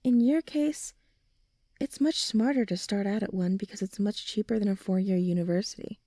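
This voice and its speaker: A young woman playing a supportive teenage girl in an ASMR roleplay, talking gently and informally as a caring best friend. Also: mid-range voice, normal speed, dry recording, studio quality, lightly acted. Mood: reassuring. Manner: gentle, reassuring, informal, often sighing or softly laughing. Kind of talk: ASMR roleplay audio drama.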